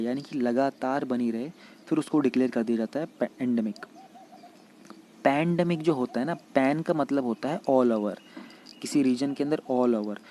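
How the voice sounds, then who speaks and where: A man lectures in a mellow, relaxed voice, blending Hindi and English. He reads English passages slowly and deliberately, then explains them patiently. A faint hum of background noise sits under the recording. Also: mid-range voice. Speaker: exam-prep teacher.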